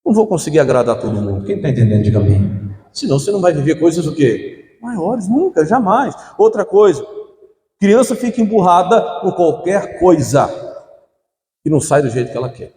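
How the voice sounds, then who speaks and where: A man's voice: on the high side, sing-song, brisk, dark tone, slight background noise. A young man from Brazil preaching a sermon as pastor, calling out questions for the congregation to answer. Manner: call-and-response preaching, asking the congregation to fill in words. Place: church hall. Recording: echoey hall.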